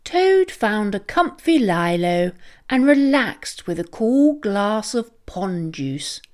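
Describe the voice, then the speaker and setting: A woman reading a children's story aloud as an expressive, deliberate, sing-song narrator. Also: medium pitch. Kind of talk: animated scripted read-aloud narration for children.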